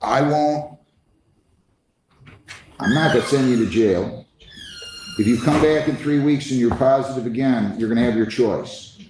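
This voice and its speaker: A man's voice: mid-range voice, a little slow, long pauses. A man presiding as a judge in a courtroom recording, questioning and admonishing in a blunt, plain-spoken way. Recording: echoey courtroom recording with faint noise.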